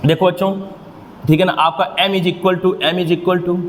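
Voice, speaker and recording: A man's voice: sits high, flat delivery, measured pace, a little hiss or hum. A man teaching a maths class, explaining step by step and often questioning his students, with motivational asides. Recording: echoey room, long reverb.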